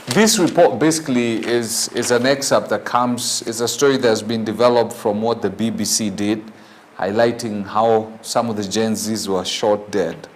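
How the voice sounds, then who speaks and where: A man with a Kenyan accent hosting a morning show, reading news in a halting, opinionated way with rhetorical questions. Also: lowish voice, slight background noise. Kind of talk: newspaper review with off-the-cuff opinion.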